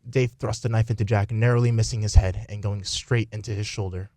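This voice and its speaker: Male narrator for a radio play, lowish pitch, scripted storytelling delivery, very dry recording. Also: steady tone, brisk, a little mellow, no echo.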